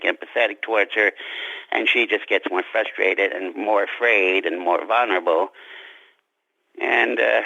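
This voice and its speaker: Man, guest author, gravelly fry, halting reflective talk, dull lo-fi sound. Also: low-pitched, sharp tone. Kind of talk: interview conversation.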